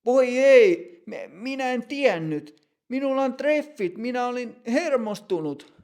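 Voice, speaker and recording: A man's voice: high voice, lively intonation, gravelly, a little mellow, pitched above the performer's own voice. A man voicing a nervous young man who stammers and gets flustered in a short lesson dialogue. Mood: panicked.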